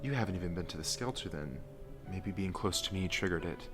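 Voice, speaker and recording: A man's voice: sits low, expressive, a little fast, music in the background. An actor playing a weary, secretive man changed by an otherworldly force, pleading urgently and lovingly in an audio drama. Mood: earnest warning. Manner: earnest, pleading.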